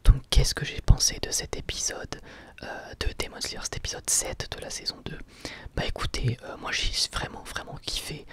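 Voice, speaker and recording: At a moderate pace, the host of an anime channel whispers a casual, enthusiastic ASMR review in a soft, breathy voice, using slangy wording.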